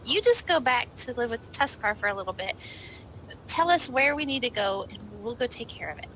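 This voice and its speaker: A woman's voice: fairly high pitch, expressive, fairly quick, pushed and bright, slight background noise, poor audio. A woman playing a tabletop roleplay, talking casually in character with a dry, skeptical manner. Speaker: roleplay player.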